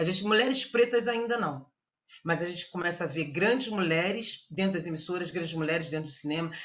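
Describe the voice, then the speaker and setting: A woman rushes along at a very fast pace, her medium pitch showing ordinary variation. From Brazil, Rio de Janeiro. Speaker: actress and teacher. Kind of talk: webinar talk.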